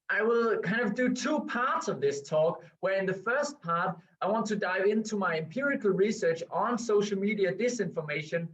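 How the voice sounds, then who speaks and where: A man with a Danish accent, pitched a little higher than most men, talks through a research presentation in English. He pauses often on fillers and restarts his phrases. He sounds set back from the mic, and the video-call audio is dull and muffled. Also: far from the mic. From Denmark. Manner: hesitant, with frequent um and uh fillers and restarts. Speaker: researcher giving a guest lecture. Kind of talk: academic presentation. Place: at home.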